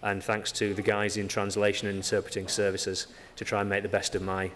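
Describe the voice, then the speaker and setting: A man with a Yorkshire accent giving a conference lecture, halting with frequent ums and a self-deprecating manner. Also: lowish voice, monotone, fairly bright tone. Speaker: conference speaker. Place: lecture hall. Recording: lecture hall reverb, faint ambience.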